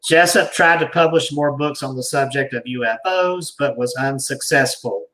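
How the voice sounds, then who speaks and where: A man hosting a talk, reading an article aloud deliberately, with emphatic pauses and asides like a storyteller. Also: medium pitch, bright, forceful tone, low-quality recording.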